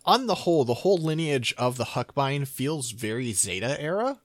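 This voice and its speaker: A man co-host teasing his partner in casual chat. His pitch moves in a lively way, and his voice sounds dry and close, with no room echo. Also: normal speed. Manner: teasing, playful. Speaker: podcast co-host.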